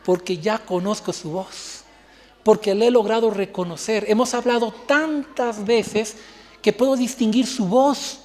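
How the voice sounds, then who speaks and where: A man's voice: high-pitched, fairly even intonation, a little slow, a little mellow, big-room sound. A male pastor preaching a sermon, telling a personal story and acting out the dialogue. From Bolivia.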